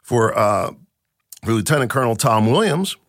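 Male podcast host, animated delivery, dry close-miked sound. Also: mid-range voice, moderate pace, no echo. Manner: emphatic, enthusiastic, with restarts. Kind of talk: solo commentary reading an article.

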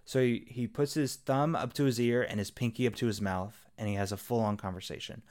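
A man's voice: mid-range voice, steady tone, fairly quick, a little mellow. Rambling, laughing podcast guest, a man. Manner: rambling storyteller, laughs at own jokes. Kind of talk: casual film podcast chat.

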